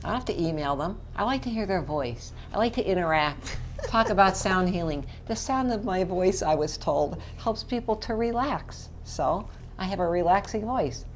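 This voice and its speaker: A woman's voice: on the low side, expressive, normal speed, slight background noise. A woman co-hosting a casual talk show, teasing and playful with her co-host. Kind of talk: casual chat. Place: hotel room.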